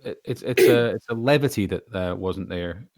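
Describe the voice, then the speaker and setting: Male actor as podcast guest, low pitch, dry close sound, thoughtful and hesitant. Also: moderate pace, a little mellow, no echo. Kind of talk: casual interview discussion.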